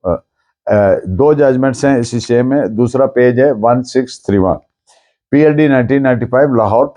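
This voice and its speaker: A man with a Pakistani accent speaks in a soft, mellow tone, pitched a little high. He lectures like a teacher, deliberate and didactic, restating key phrases so they are clear. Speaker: law lecturer. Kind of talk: explanatory lecture mixing Urdu with English legal terms.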